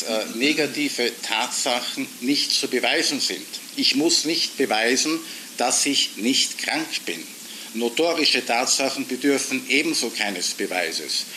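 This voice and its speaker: A man speaking in a measured, lecturing tone, setting out a formal legal argument with small hesitations. His voice is of middle pitch and quite bright, with faint noise behind him. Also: poor audio.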